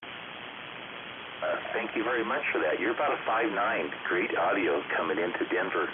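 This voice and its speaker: A man's voice: on the low side, animated, normal speed. A man chatting casually as an amateur radio operator, heard through a fading shortwave radio transmission. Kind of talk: casual ham radio contact. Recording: very noisy, hissy narrowband shortwave radio.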